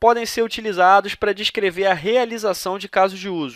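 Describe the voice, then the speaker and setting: Recorded very cleanly with a silent background and a dry, close sound with no echo, a man speaks at a moderate pace with a high pitch and ordinary pitch variation. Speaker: teacher. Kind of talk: lecture.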